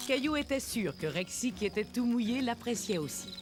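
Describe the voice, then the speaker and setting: A woman narrating a children's cartoon as a gentle, expressive storyteller. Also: fairly high pitch, brisk, close to an everyday voice. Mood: gentle, storytelling. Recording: music behind the voice.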